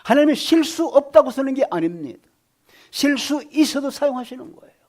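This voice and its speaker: A pastor preaching a sermon in a church, telling stories and swinging between hushed asides and loud emphasis. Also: male voice, extremely high pitch, lively intonation, a little fast. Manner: storytelling, shifting from hushed to loud. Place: church sanctuary.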